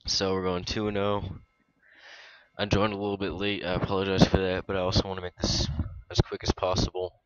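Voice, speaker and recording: Monotone young man with a very low voice. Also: a little fast, no room sound, muffled recording. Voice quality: mic-eating, close to the mic. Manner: monotone, mumbled asides while playing. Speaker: gaming YouTuber. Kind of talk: casual gameplay commentary.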